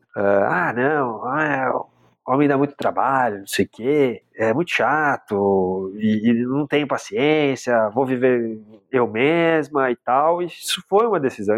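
Against a quiet background, a man speaks at a medium pitch and a fairly slow pace, his loudness swinging widely. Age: 30s. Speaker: journalist and press officer. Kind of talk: interview. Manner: halting.

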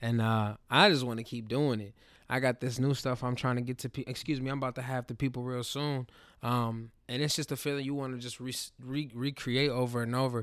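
A man with an American accent, medium pitch and fairly quick pace, monotone, flat intonation, very clean recording with a silent background. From Grand Rapids, Michigan. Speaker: rapper. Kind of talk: casual chat.

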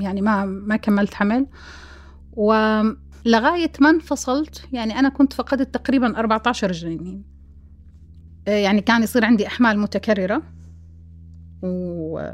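A woman speaks at a very slow pace. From Kuwait and Jordan. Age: 40s. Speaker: heart transplant recipient. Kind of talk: personal testimony interview.

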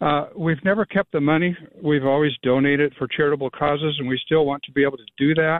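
Very fast and fairly high-pitched, a man talks with fairly even intonation. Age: 70s. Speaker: radio show caller. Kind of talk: call-in question. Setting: phone call.

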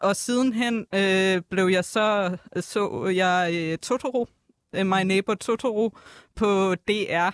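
This man has a high pitch and speaks very slowly with fairly even intonation, in a dry, close sound with no echo over a silent background on a very clean recording. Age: 30s. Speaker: anime and comics fan. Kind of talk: interview. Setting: studio.

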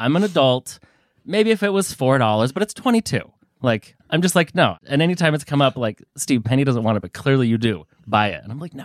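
The sound is dry and close, with no echo. Loudness swings widely, and pitch rises and falls over a very wide range. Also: man, fairly high pitch for a man. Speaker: podcast co-host. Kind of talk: casual chat. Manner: shifting intonation at times.

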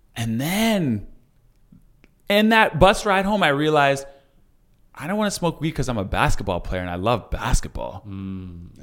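A man talks at a moderate pace with a fairly high pitch and very wide pitch swings, broken by long, frequent pauses. The recording is very clean, with a silent background. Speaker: podcast co-host.

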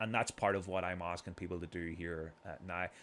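A man speaks with a Belfast accent. The recording is very clean, with a silent background. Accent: Belfast Northern Irish. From Northern Ireland, Belfast. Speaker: politician. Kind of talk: interview. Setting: studio. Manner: halting.

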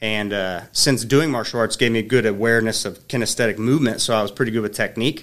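With an American accent, a man rattles along at a very fast pace with hardly any pauses and fairly even intonation. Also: medium pitch for a man, very clean recording, silent background. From Columbus, Ohio. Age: 40s. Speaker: hormone specialist, Marine veteran. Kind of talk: podcast interview.

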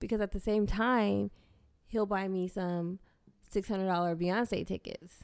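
A woman speaks in an ordinary speaking voice at a medium pitch, with fairly even intonation and a fairly slow pace. The recording is very clean, with a silent background. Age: 30s. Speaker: podcast co-host. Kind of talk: casual chat.

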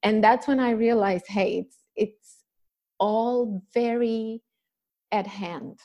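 A woman with a Romanian accent, very slow with long, frequent pauses, dark and mellow in tone, fairly even in intonation but with big swings in loudness. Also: fairly high pitch for a woman. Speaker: trainer and consultant, podcaster. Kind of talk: interview. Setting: remote call.

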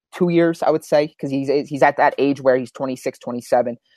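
Speech rushes by very fast in a New Jersey accent with flat, monotone intonation. The sound is dry and close with no echo, over a quiet background. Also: man. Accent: New Jersey American. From New Jersey, US. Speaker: football journalist. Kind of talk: casual podcast interview.

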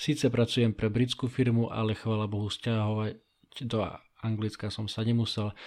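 On a very clean recording with a silent background, a man speaks at a moderate pace. His voice is fairly low and flat, in a monotone. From eastern Slovakia, Košice region. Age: 30s. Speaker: podcast host, personal development coach. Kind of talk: solo podcast monologue.

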